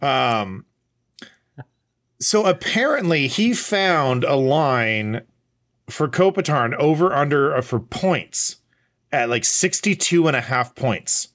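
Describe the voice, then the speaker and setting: A man's voice: medium pitch, lively intonation, slow, a bit bright. A man hosting a sports podcast in a casual, chatty style.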